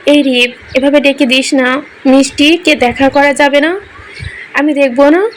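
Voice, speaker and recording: A heartbroken young father in a romance story, hurling bitter accusations, read in a woman's own high voice. The delivery stays close to plain narration, with a faint background hush. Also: steady tone, unhurried, a little hiss or hum. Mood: frantic. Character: grief-stricken young husband and father, bitter and raging. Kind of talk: scripted story reading.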